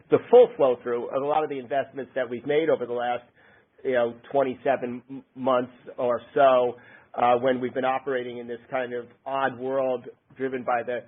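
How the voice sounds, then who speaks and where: A man speaking as a company executive on an earnings call, halting and often rephrasing his words. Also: medium pitch. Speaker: company executive answering analysts. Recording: narrow-band conference phone line.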